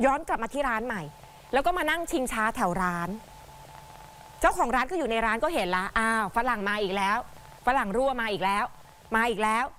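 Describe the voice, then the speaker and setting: A woman presenting the news in a high, bright voice, talking over video footage. She tells it in a lively way and acts out what people in the clips said. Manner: animated, acts out quotes while narrating footage.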